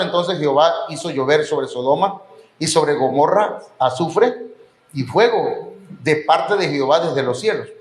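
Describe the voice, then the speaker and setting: A man with a Mexican Spanish accent preaching a sermon in a church, with rising emphasis and the odd joke. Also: fairly high pitch. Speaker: pastor. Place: church hall. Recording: echoey church hall.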